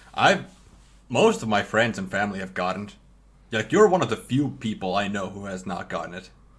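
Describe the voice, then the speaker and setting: Loudness swings widely as a man speaks at a fairly quick pace, fairly low in pitch with ordinary pitch variation. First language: not English. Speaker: podcast co-host. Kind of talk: casual chat.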